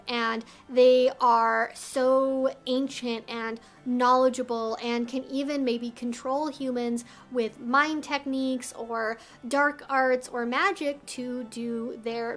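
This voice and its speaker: A woman hosting an educational video, explaining things to the viewer in a measured, articulate and instructive way. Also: fairly high pitch, steady tone.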